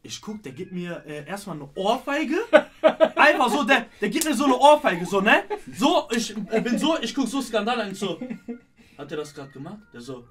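A man's voice: extremely high pitch, very animated, normal speed, a bit bright, a little hiss or hum. A young man telling a long story in a casual podcast chat, slangy and full of fillers and restarts.

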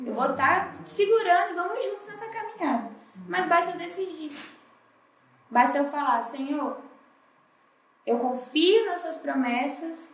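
Speaking with a Brazilian Portuguese accent in a high voice, a woman delivers a heartfelt morning devotional sermon at a church congress, voicing her own prayers as she goes. The hall sounds roomy, and she's a bit off the mic, so it comes across distant.

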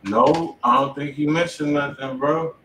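A man's voice: fairly high pitch, fairly even intonation, unhurried, sharp tone. An American man co-hosting a music stream with casual, slangy banter from a home studio. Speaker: co-host of music review stream. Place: home studio room, indoors. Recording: echoey, distant, slightly noisy room.

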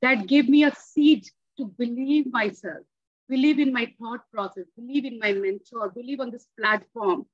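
A woman's voice: on the high side, no echo. A woman in her forties whose first language is Hindi, giving an earnest impromptu club speech over a video call. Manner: earnest, emphatic, gestures while speaking. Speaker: club member answering a table topic. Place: home room. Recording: dull lo-fi video call audio.

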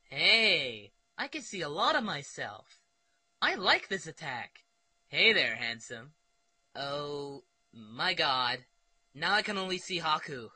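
Guy doing a flamboyant show-off kid fighter, singsongy taunts, lively pitch, dry sound. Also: slow pace, breathy edge, dry recording, full character voice. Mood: taunting. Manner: taunting, sing-song, camp. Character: vain flamboyant young masked fighter. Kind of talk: fan parody dub.

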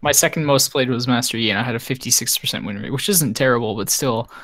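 A man co-hosting a casual gaming podcast, talking through his game stats in a relaxed way. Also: medium pitch, fast talker. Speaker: podcast co-host.

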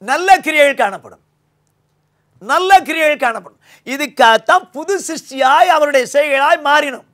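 A pastor, an older man with a Tamil accent, gives a sermon from a small studio, miked with a lapel microphone. Loud emphatic bursts give way to low, quiet lines and back again.

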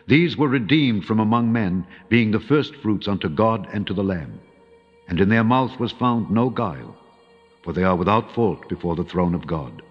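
A man giving a measured, solemn reading of scripture, slowing for emphasis and rising in pitch for quoted proclamations. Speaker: Bible reader. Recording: dull long-reverb recording over soft music.

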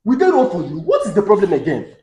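A man with a Nigerian accent playing a weary young husband who talks softly to calm his wife. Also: high voice, fast. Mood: puzzled. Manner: placating, soft-spoken. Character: weary young husband trying to keep peace. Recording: roomy echo.

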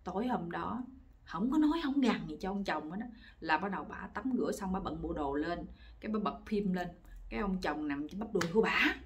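A woman telling a bawdy story casually to viewers, lively and gossipy, laughing often. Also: fairly low pitch, fairly quick. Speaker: storytelling channel host.

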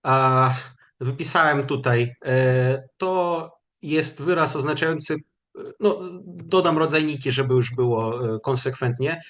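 A man giving a lecture, answering questions after a webinar in a measured, explanatory way with hesitant fillers over a video call. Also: medium pitch, fairly bright tone.

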